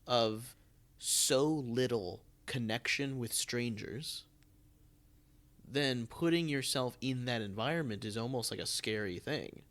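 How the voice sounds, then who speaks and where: An American man hosting a casual podcast conversation, musing in a halting way as he thinks aloud. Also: mid-range voice, fairly bright tone. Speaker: podcast host and theatre artistic director.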